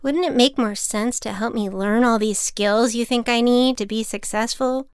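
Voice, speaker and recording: A woman's voice: a little high, fairly even intonation, normal speed, clean tone, dry recording, clean studio sound, pitched above the performer's own voice, natural voice. Woman doing a defiant boy talking back. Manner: indignant, argumentative.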